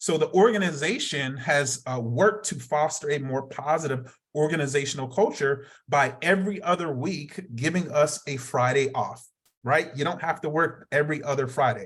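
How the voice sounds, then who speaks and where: This man speaks at a moderate pace with an American accent and a fairly high pitch. His voice is somewhat breathy, with ordinary pitch variation. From US, Florida. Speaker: counselor educator and mental health leader. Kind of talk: webinar presentation. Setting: online webinar with slides.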